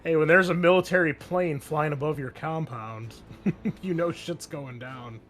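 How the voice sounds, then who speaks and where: A man's voice: on the high side, unhurried, fairly bright tone, soft background music. A man working as game master, narrating and refereeing a tabletop roleplaying game in a casual way.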